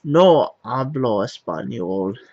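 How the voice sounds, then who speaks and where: An American man, a native English speaker, practicing a foreign language in a halting way, restarting and searching for words. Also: medium pitch, expressive, a little mellow. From United States. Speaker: language learner. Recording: slightly dull lo-fi recording.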